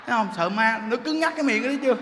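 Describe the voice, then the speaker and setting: A man's voice: very high-pitched, expressive, very fast, long reverb tail, very noisy. A man giving a Buddhist dharma talk, telling funny ghost stories with laughter and acted-out frightened cries. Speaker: Buddhist monk teacher. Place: temple hall.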